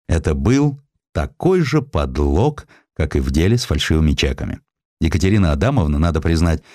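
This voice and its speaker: Deep-voiced man, expressive literary narration. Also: dry recording, clean studio sound. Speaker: audiobook narrator. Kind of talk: scripted literary narration of a historical essay.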